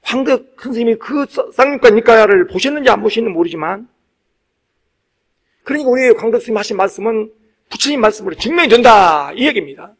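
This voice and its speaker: Male monk, high-pitched voice, emphatic dharma preaching with repeated phrases and informal asides. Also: animated, fast. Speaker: Buddhist monk giving a dharma talk. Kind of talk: sermon.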